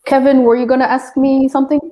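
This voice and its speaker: A woman from Uganda speaks in a somewhat high, friendly voice. She sounds upbeat and chatty. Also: level tone, fast, dark tone. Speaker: panel guest. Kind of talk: casual video call chat.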